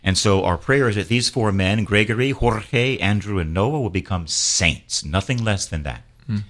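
A man's voice: fairly low pitch, expressive, normal speed, a bit bright. A man, a priest, hosting a radio talk show, earnestly exhorting and leading call-and-response prayer.

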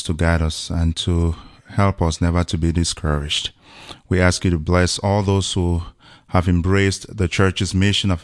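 A man from Cameroon in his forties, a pastor leading a prayer and telling his story at a measured pace with many pauses. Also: low-pitched, no room sound, clean studio sound. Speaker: pastor, guest. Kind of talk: prayer and interview talk.

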